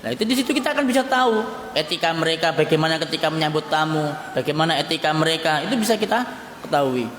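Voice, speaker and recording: A man's voice: on the high side, expressive, quick pace, fairly bright tone. A man giving a mosque sermon. He tags nearly every phrase with a questioning "ya" and slips into phrases. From Yogyakarta, Indonesia. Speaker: preacher. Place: mosque hall. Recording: echoey mosque hall with long reverb, faint hiss.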